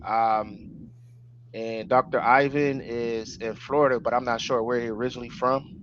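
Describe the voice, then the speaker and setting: A man from Ohio co-hosting a casual webinar over an online call, asking questions in halting, hesitant phrases. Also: medium pitch, fairly even intonation, fairly bright tone. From Ohio, United States. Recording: dull lo-fi call, faint noise.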